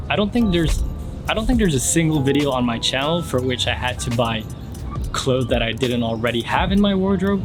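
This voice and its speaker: Young man from France hosting a casual fashion Q&A, relaxed and chatty, clear background music underneath. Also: mid-range voice. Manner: relaxed, reads questions aloud then answers at length. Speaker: fashion YouTuber. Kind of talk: casual Q&A vlog.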